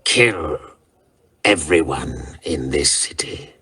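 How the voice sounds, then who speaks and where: A man voicing a brutal, unhinged male warlord who roars and rants, then drops to rasping hisses. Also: low voice, steady tone, slow pace, voice pushed down, full character voice. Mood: cold hissing. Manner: roaring, ranting shouts between rasping hisses.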